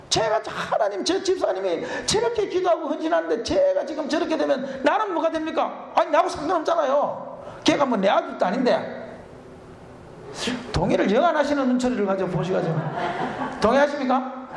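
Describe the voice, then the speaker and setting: Middle-aged male pastor, high and very lively voice, storytelling revival sermon, echoey church. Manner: animated storytelling with laughter. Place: church sanctuary.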